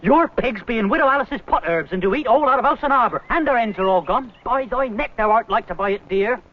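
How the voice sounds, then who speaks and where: Exasperated medieval hayward, very high voice, animated, rustic archaic complaining, dull old film sound. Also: male voice, brisk. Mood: scolding. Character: exasperated put-upon medieval English village hayward. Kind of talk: educational film historical acting.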